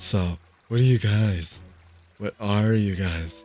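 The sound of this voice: Using a put-on character voice, a man talks at a fairly slow pace in a breathy, fairly low-pitched voice while faint music plays in the background.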